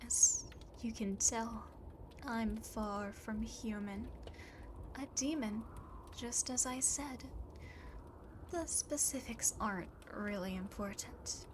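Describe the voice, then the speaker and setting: A woman voicing a lonely, possessive female demon in an ASMR roleplay, softly, often whispering, with teasing, smug condescension, on an amateur home mic. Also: a little high, slow pace. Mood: possessive menace. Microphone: close home microphone, not binaural. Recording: noisy amateur home microphone recording.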